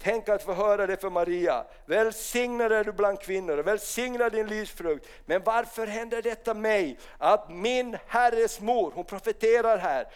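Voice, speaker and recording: A man with a high voice that is smooth and resonant preaches a charismatic sermon. He moves between calm Bible reading and fervent, rising calls of hallelujah. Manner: rises to fervent shouting of hallelujahs. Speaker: pastor.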